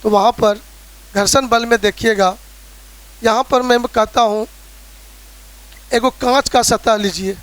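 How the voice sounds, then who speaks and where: A man's voice: sits high, steady tone, unhurried, pauses often, fairly bright tone. A man with a Bihari Hindi accent teaching a physics lesson, explaining with everyday examples and often checking in with his students. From Bihar, India. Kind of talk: classroom lecture.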